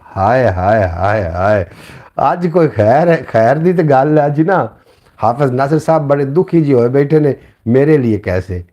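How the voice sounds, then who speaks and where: A man's voice: fairly high pitch, animated, unhurried, warm tone, muffled recording. Punjabi-accented man reciting poetry on a livestream. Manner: recites couplets in a rising, sing-song cadence. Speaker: livestream host reading viewer comments and poetry. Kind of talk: casual live chat with poetry recitation.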